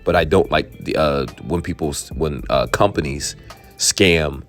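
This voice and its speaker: A man hosting a tech channel, chatting casually and frankly to viewers, his voice worn hoarse. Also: extremely low pitch, a little slow, fairly bright tone, soft background music. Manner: chatty, frank, drifts into asides. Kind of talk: casual explainer talking to viewers.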